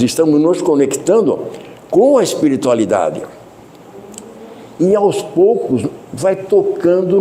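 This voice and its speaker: Brazilian man, spiritist lecturer, loud unchanging voice, warm mellow tone, chatty asides to the audience. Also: slight background noise. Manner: loud, unchanging speaking voice that he cannot lower; conversational, addresses listeners with asides and questions. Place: spiritist center meeting hall.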